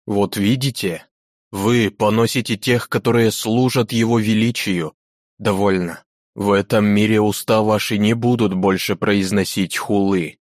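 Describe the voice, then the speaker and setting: Man reading a cold jesuit judge, low and solemn. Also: steady tone, a little slow, no echo, studio quality, close to an everyday voice. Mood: stern.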